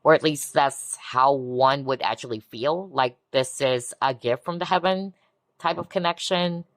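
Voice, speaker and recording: A woman giving a collective tarot reading in a soft, reassuring way, often breaking into amazed exclamations. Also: very deep voice, a little slow, no echo. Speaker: tarot reader. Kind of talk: pick-a-card tarot reading.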